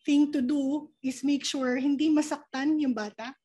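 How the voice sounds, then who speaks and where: Woman, childhood education guest, calm explainer, rhetorical questions, high voice, dark tone. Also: measured pace, poor audio. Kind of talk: explanatory interview talk.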